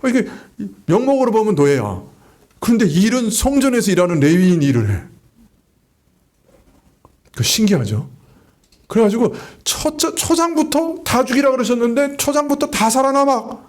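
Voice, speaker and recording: A man's voice: very high voice, sing-song, a little fast, darkish tone. A male pastor giving a conversational sermon, retelling stories with acted-out quotes and asking the congregation questions. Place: church.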